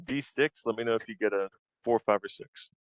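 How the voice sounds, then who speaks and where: Man, game master, relaxed, ums, low voice. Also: fairly quick, dry recording, lo-fi sound. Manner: relaxed, full of ums, laughs often. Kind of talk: running a tabletop game.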